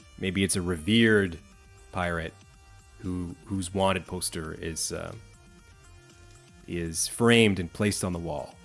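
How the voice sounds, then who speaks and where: Over music in the background, a man with a very deep, low voice speaks fairly slowly with ordinary pitch variation. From Australia. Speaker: streamer.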